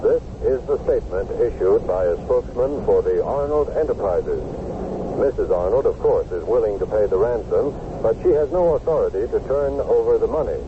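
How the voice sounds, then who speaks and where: Actor as formal newsreader over noisy radio. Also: male voice, fairly low pitch, lively intonation, natural voice. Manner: formal, measured. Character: formal male newsreader delivering an official statement. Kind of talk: scripted news bulletin, radio drama. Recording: narrow-band, very noisy radio broadcast.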